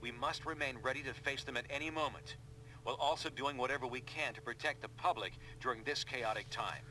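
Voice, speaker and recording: A man's voice: medium pitch, a little fast, lightly acted. A man playing a resolute, idealistic resistance leader in a video game, speaking formally as if giving an address. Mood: earnest resolve. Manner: formal, speech-like delivery. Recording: clear background noise.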